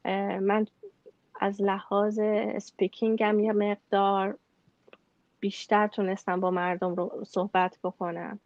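A woman from Iran with an Iranian accent, answering interview questions conversationally in a halting way, mixing in English loanwords. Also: medium pitch, level tone, darkish tone, no room sound, muffled recording. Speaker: interview guest, bank employee.

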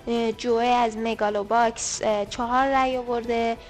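A woman co-hosting a podcast, reading out poll results in casual chat, brisk and a little teasing. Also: a little high, level tone, faint music behind. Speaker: podcast co-host.

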